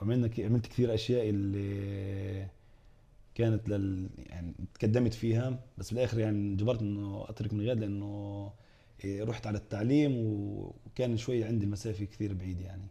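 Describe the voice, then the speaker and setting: A man speaks at a moderate pace in a dark, mellow, somewhat breathy voice pitched fairly low. His intonation stays fairly even. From Israel. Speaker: chef; talk show guest. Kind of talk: TV interview. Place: studio. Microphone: lapel.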